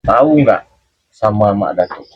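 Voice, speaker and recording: A man's voice: fairly low pitch, moderate pace, husky, no room sound, lo-fi sound. A man hosting a live stream, telling a rambling story with frequent chuckles and questioning a child. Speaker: channel host.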